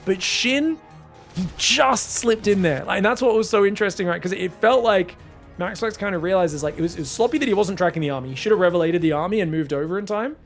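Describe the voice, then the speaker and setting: A high-voiced man casting a real-time strategy match with lively energy. He talks casually and excitedly, piling up calls of the action. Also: fast, faint music behind. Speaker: esports caster. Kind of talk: excited live game commentary.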